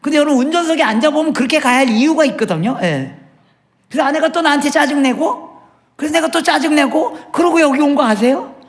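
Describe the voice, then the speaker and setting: Man, middle-aged, very high voice, missionary preacher, church sermon, questions the congregation, loud and hushed by turns. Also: lively intonation, fast. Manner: asks the congregation questions, shifts between loud and hushed speech. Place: church sanctuary.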